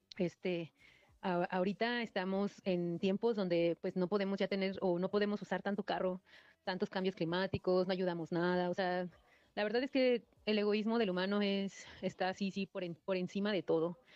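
A woman at a medium pitch speaks at a moderate pace with monotone, flat intonation. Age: 30s. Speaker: bicycle courier. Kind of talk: recorded interview testimony.

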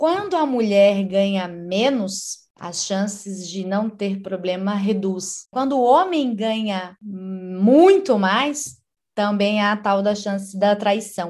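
A woman speaks at a medium pitch and a very slow pace. She uses ordinary pitch variation and hardly any pauses. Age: 40s. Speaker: financial advisor. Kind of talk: podcast interview.

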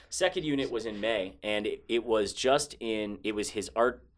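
Here is a man with an unremarkable speaking voice. His pitch is fairly low and varies an ordinary amount. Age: 30s. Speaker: photographer and filmmaker. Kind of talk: casual interview.

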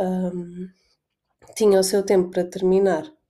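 Speaking in a European Portuguese accent, a woman has a dark, mellow tone at a medium pitch. Her intonation is monotone and flat, at a moderate pace. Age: 30s. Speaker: podcast host. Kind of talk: casual monologue. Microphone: computer's built-in microphone.

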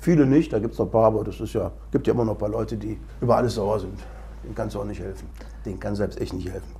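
Talking at a very fast pace, a man with a very deep, low pitch and vocal fry moves through very wide pitch swings and big swings in loudness. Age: 60s. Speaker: football club official. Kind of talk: casual chat.

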